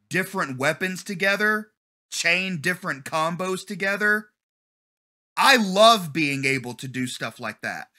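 A man in his thirties giving casual, slangy, excited reaction commentary into a desk mic at home. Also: on the high side. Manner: enthusiastic, slangy, exclaiming. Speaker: host of a trailer reaction channel. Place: small bedroom at home. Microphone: desk condenser mic with pop filter.

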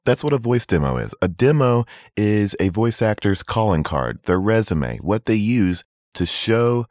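A man's voice: lowish voice, big pitch swings, a little slow, a little mellow, no echo, studio quality. A man hosting a casual tips video for beginners, emphatic and repeating his points for stress. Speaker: voice acting tips host.

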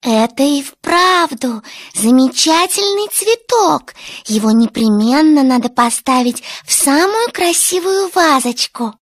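A woman's voice: sits high, lively intonation, slow pace, no echo, clean studio sound. A woman playing an eager, dreamy little girl in a children's audio fairy tale, with a childlike sing-song delivery. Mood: curious, delighted.

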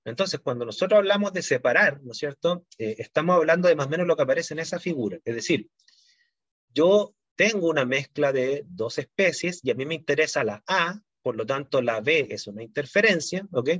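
A middle-aged man teaching university chemistry online, walking through ideas patiently and checking often that his students follow. His voice sits a little high for a man. The sound is dry and somewhat muffled, like a computer microphone on a video call. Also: animated, fairly quick, a bit bright, husky, dry recording. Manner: explanatory, frequent "¿no es cierto?" and "¿ya?" check-ins.

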